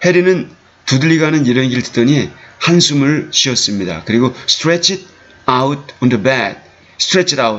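Noticeable background noise runs under this recording. A man speaks at a fairly slow pace. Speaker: English reading tutor. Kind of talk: tutorial. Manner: explanatory, repeats words.

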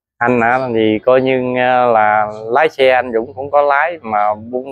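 Against a quiet background, a man speaks at a fairly slow pace with fairly even intonation in a dry sound with no echo. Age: 50s. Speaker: divorced man seeking a partner; interviewee. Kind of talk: interview. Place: garden.

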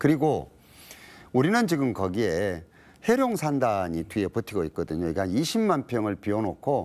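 His pitch rises and falls very widely. The man keeps a moderate pace. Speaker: city mayor. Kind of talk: broadcast interview. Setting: studio. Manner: emphatic, passionate. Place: studio. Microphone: lapel.

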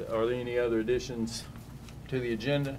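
A man speaks with a Southern US accent and fairly even intonation. Noticeable background noise runs under his voice. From East Tennessee. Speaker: school board chair. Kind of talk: public meeting. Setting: meeting room. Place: meeting room. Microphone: podium.

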